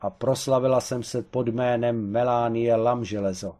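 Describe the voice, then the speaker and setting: A man voicing a proud, domineering former strongwoman wrestler who talks loudly and haughtily. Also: steady tone, close to an everyday voice. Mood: haughty. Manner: booming, haughty, matter-of-fact about cruelty.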